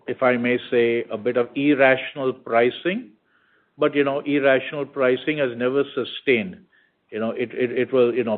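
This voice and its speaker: A man with an Indian accent giving measured corporate commentary on an earnings call, often saying "you know". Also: medium pitch. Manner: measured corporate speech with frequent 'you know'. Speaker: bank executive. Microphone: conference call line. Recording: narrow tinny phone line.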